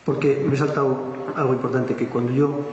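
A man's voice: medium pitch, a little fast, lo-fi sound. Spanish man telling a story in an echoey hall. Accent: Spain Spanish. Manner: lively narrator who acts out the quoted voices, with many fillers and restarts. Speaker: speaker telling a story to an audience. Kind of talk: animated storytelling talk. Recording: echoey hall with faint noise.

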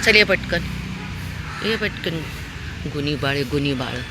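A woman vlogging on a city street, talking casually to viewers and coaxing street dogs with loud, high calls. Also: expressive, takes it slowly. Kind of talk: casual vlog talk. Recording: noisy outdoor street recording.

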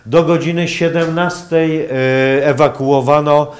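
A man giving a public lecture in a halting, hesitant manner with long pauses. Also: fairly high pitch, fairly even intonation. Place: university lecture hall, indoors.

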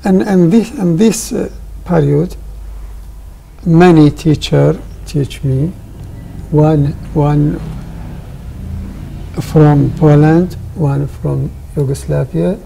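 An older man, a guest artist answering interview questions in halting, with many pauses, recorded on a lapel mic in a television studio. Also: on the high side, gravelly, warm tone, slight background noise, low-quality recording. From Iraq. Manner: halting non-native English with frequent pauses.

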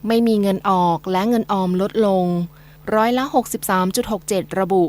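A woman's voice: medium pitch, fairly even intonation, normal speed, darkish tone. A woman reading scripted news as a radio newsreader.

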